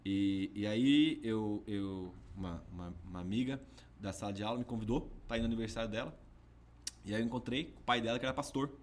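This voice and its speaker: A man with a Brazilian accent, a podcast guest telling his story in an animated, casual way. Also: fairly low pitch, fairly quick. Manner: animated, peppers speech with "cara" and "entendeu".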